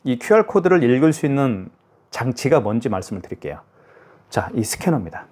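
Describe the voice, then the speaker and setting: A man's voice: medium pitch, big pitch swings, a little fast, a little mellow. Chatty man demonstrating a card terminal. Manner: chatty, self-narrating each step, frequent "자" and "그죠?". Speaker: product demonstrator. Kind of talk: casual product tutorial. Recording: faint hiss with device clicks.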